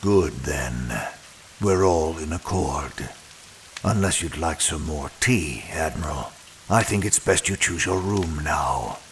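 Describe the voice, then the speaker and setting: Stern male jailer, very low and unhurried, formal, controlled, audio drama with faint hiss. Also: lively intonation, a bit bright, exaggerated voice. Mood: curt, controlled. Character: stern, inhumanly calm male jailer-attendant of a manor.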